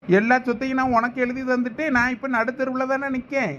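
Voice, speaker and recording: A man voicing a high, insistent aggrieved brother. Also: little pitch movement, quick pace, a little hiss or hum. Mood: angry. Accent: Thoothukudi Tamil. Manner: loud, insistent arguing. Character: aggrieved middle-aged brother, father of two daughters. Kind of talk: cartoon family drama voice acting.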